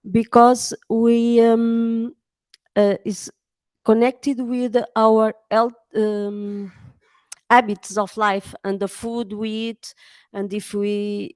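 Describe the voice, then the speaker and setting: Slow hesitant woman, Portuguese accent. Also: mid-range voice, a little mellow, clean tone, no echo. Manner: hesitant, many pauses and fillers. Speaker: journalist and editor. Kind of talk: conference talk.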